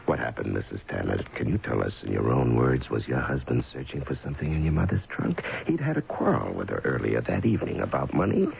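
A sinister American convict husband in an old radio thriller, with an extremely low voice that swoops wildly. He taunts slowly and with false tenderness, gravelly and vengeful, on a muffled, noisy broadcast recording. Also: big pitch swings, darkish tone, exaggerated voice. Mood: sinister, mocking. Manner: slow, taunting, mock-tender delivery. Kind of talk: radio mystery drama acting.

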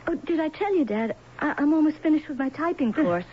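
An American actress playing an anxious, guilt-ridden wife of a convict in a radio mystery drama, earnest and hesitant. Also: female voice, high voice, expressive, fairly quick. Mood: weary, troubled. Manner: earnest, hesitant, stammering when frightened. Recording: muffled old radio recording, faint noise.

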